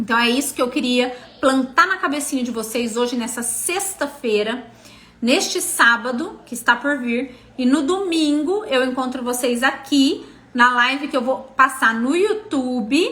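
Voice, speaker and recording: In a raised, projected voice, a woman speaks at high pitch with lively intonation and an animated tone. Her pace is fairly slow. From São Paulo state, Brazil. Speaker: diet mentor. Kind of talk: live stream talk. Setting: live video stream.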